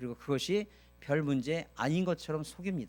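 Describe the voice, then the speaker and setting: With music in the background, a man talks at a fairly high pitch with ordinary pitch variation. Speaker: senior pastor. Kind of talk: sermon. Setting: church. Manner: fast.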